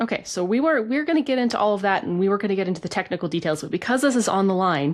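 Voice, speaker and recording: A woman with a Canadian accent at a very fast pace over a quiet background. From Alberta, Canada. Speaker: podcast host. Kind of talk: interview. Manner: casual.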